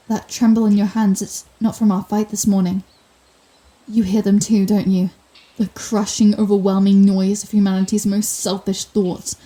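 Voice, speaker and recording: A woman's voice: medium pitch, warm tone, natural voice. A woman playing a sardonic telepathic supervillain in an ASMR roleplay, theatrical and sarcastic, menacing with a hidden compassionate streak. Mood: softening, concerned. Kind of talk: ASMR roleplay audio drama.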